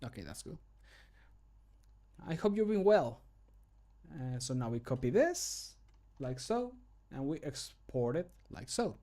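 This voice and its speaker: A man's voice: mid-range voice, big pitch swings, unhurried, pauses often, warm tone. Casual rambling man streaming from home. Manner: rambling, easily sidetracked, chuckles often. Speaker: livestreamer and mod maker. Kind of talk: casual livestream chat. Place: small closed room at home. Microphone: microphone at a desk, streaming.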